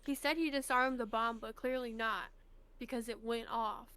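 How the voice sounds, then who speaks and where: A woman's voice: on the high side, steady tone, moderate pace, a bit bright, clear, resonant tone. A woman co-hosting a let's play, giving casual, conversational game commentary in a very informal way. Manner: informal, conversational, full of "like" and "you know".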